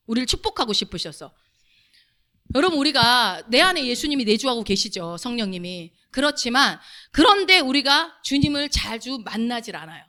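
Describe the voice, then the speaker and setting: A woman's voice: high-pitched, bright, forceful tone. A woman pastor preaching a sermon to her congregation, asking them questions as she goes. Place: church sanctuary.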